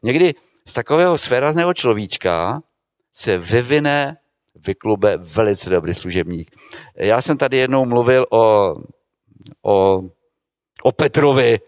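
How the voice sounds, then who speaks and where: A man preaching a sermon to a congregation, putting rhetorical questions to his listeners and swinging between loud, emphatic lines and quiet asides. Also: mid-range voice, animated, clear, resonant tone, dry recording, clean studio sound.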